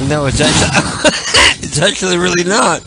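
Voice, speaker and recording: A man's voice: high-pitched, heavy background noise. A drunk man hosting a late-night call-in show, rambling, giggling and crude. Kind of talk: casual late-night chat.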